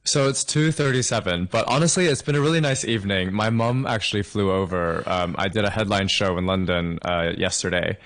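A man's voice: fairly low pitch, a little fast, few pauses, a bit bright. A young man from Hong Kong, a singer-songwriter, chatting upbeat and friendly as a guest in an interview, laughing now and then. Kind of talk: casual interview over a call.

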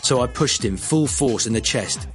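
A man reading a first-person memoir audiobook in a measured, wry storytelling manner. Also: mid-range voice, expressive, a bit bright, faint music behind. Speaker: audiobook narrator.

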